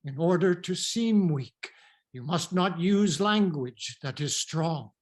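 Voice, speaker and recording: An actor reading the part of a cautious, commanding father in a Greek tragedy, in a measured, solemn, instructive manner. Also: on the high side, animated. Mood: solemn, cautioning. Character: cautious, commanding elderly father leading refugee daughters.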